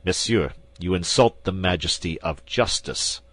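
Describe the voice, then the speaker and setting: A man voicing a stern, pompous police commissary who interrogates forcefully. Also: low-pitched, lively intonation, a little slow, no room sound, full character voice. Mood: exasperated.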